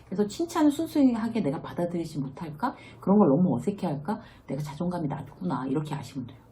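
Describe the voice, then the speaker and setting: Woman, middle-aged, lecturer, self-esteem lesson, very expressive pitch, acts out quotes. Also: quick pace, a little hiss or hum. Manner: lively, acts out quoted inner voices. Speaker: workplace lecturer and author.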